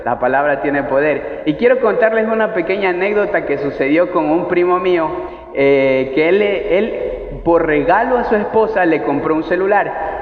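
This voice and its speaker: A man's voice: a little high, animated, normal speed. Man preaching in an echoey hall. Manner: conversational, asks the congregation questions. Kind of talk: sermon. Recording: echoey hall, tinny phone-like sound.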